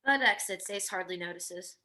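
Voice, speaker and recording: Bright-voiced woman reading stage directions. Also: lowish voice, normal speed. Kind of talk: scripted narration.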